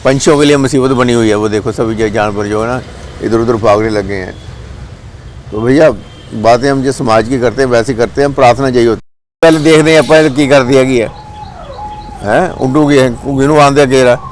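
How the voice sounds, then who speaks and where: A man's voice: medium pitch, moderate pace, a little hiss or hum. A man with a Punjabi accent from Punjab, India, giving a blunt, scolding monologue outdoors. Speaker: vlogger. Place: outdoors with birds and a cat nearby.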